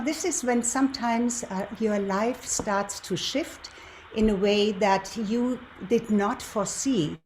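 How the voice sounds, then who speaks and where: Woman in her seventies, German accent, native German speaker, show host, mid-pitched voice, deliberate storytelling, faint background noise. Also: low-quality recording. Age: 70s. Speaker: show host, lifestyle and relationship coach. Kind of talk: presenter's introduction and personal storytelling to viewers.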